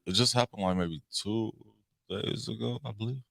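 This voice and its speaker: A man's voice: lowish voice, normal speed, creaky, a bit bright. An American man in casual, slangy conversation, telling personal stories as a talk show co-host. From Cincinnati, Ohio, United States. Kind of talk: casual chat, personal storytelling.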